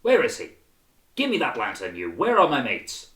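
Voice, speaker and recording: A man's voice: mid-range voice, wildly swooping pitch, moderate pace, fairly bright tone, echoey room, voice pushed up. A man playing a bulky, bleary ship's surgeon in an audiobook, blustering and peremptory. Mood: bossy, agitated.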